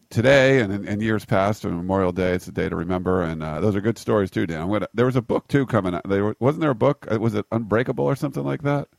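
A man hosting a sports talk show, quick and friendly, steering the chat. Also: low-pitched, gravelly, no room sound, studio quality. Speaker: sports radio host. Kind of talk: casual radio chat.

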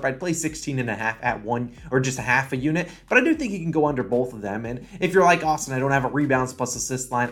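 Sports tipster host: American male, rapid-fire delivery, confident and hyped commentary on picks. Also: mid-range voice, a bit bright. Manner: fast, confident tipster hype.

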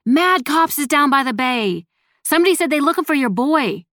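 Woman voicing a brash, high-pitched young neighbor. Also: animated, moderate pace, a bit bright, no room sound, studio quality. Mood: urgent gossip. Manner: slangy, casual. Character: brash young neighborhood woman, slangy but respectful to elders.

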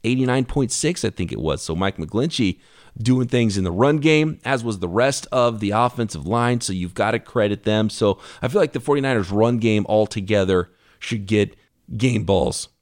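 A man hosting a solo sports podcast, talking through the game in an energetic, conversational way while his voice is worn from a cough. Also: fairly low pitch, moderate pace, dry recording, studio quality. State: losing his voice from a lingering cough. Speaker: podcast host.

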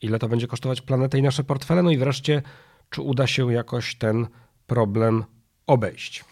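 A man with a nasal, stuffed-nose and hoarse voice, presenting a podcast monologue. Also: medium pitch, moderate pace, a little mellow. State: hoarse from a viral illness. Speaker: podcast host. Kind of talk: podcast monologue, partly scripted.

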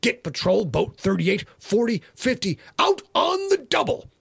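Guy doing a bossy navy sergeant from a story, barking orders, high pitched and swoopy. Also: wildly swooping pitch, a little slow, gravelly, fairly bright tone, breathy edge, full character voice. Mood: commanding.

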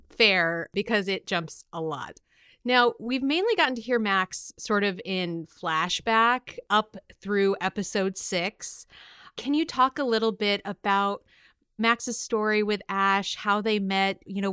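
A woman interviews a guest as podcast host. Her mid-range voice is very clear and smooth, recorded close and dry, with a conversational delivery. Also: mid-range voice, a little slow, bright, forceful tone, dry recording.

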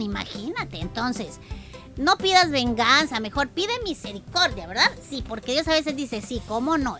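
A woman co-hosting a Christian children's radio program, speaking to young listeners in a lively, caring way. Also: a little high. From El Salvador. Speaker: children's radio show co-host.

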